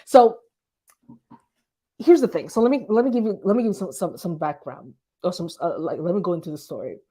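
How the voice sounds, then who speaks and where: A woman's voice: fairly low pitch, expressive, brisk, dark tone, slightly rough. Chatty woman with a light foreign accent. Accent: light hard-to-place foreign accent with some British touches. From Portugal. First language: Portuguese. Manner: conversational, storytelling, addresses viewers directly. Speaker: marketing strategist for coaches. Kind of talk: business advice talk to camera.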